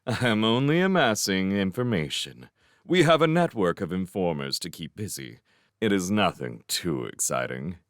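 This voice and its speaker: A man's voice: sits low, very animated, moderate pace, fairly bright tone, no echo, clean studio sound. A man reading aloud, voicing a proud young male apprentice who talks stiffly and guardedly and flares into outrage.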